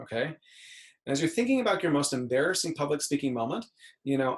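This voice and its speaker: This is a man with a fairly high-pitched voice. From Miami, Florida (Cuban American family). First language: Spanish. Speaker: public speaking coach. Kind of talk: webinar talk.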